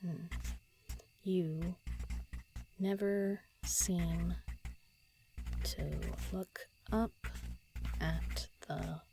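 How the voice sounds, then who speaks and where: Solitary writer, played by a woman, audio drama: lowish voice, very slow, halting, murmured thinking aloud, pensive, often half-whispered. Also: steady tone, dark tone. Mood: pondering, self-critical. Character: solitary woman writer muttering while composing a poem, pensive.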